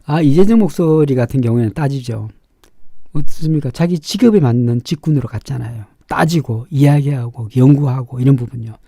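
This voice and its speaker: A middle-aged man with a slightly raspy, sharp-edged voice, explaining things informally and emphatically as an opinionated fortune-telling show host. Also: medium pitch, a little fast, dry recording, studio quality. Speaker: fortune-teller and face reader hosting a show.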